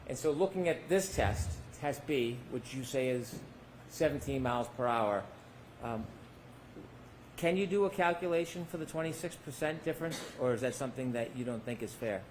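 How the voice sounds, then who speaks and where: A man's voice: mid-range voice, lively intonation, moderate pace, a little hiss or hum, low-quality recording. Man cross-examining in a courtroom recording. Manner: pointed leading questions with tag endings. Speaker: defense attorney.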